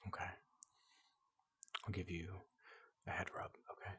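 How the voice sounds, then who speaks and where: A gentle robot doctor, played by a man, murmurs in a low, flat whisper. The manner is caring and reassuring, in the style of a soothing ASMR roleplay. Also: breathy edge, exaggerated voice. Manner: slow, reassuring, hushed. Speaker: ASMR performer.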